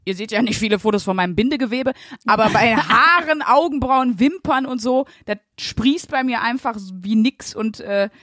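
A woman co-hosting a podcast, chatting casually as a lively storyteller with blunt, crude humor. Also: on the high side, normal speed, dry recording, studio quality. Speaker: podcast co-host. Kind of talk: casual chat.

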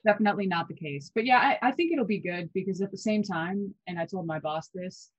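A woman in her twenties co-hosting a college basketball podcast, chatty and quick with fillers and restarts. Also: medium pitch, husky, no echo, low-quality recording. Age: 20s. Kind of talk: casual sports podcast chat.

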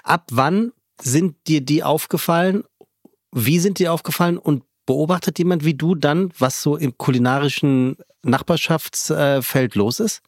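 A man's voice: on the high side, a little slow, dry recording, clean studio sound. A man hosting a podcast, asking long rambling questions and teasing his guest. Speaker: podcast host. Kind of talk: casual podcast chat.

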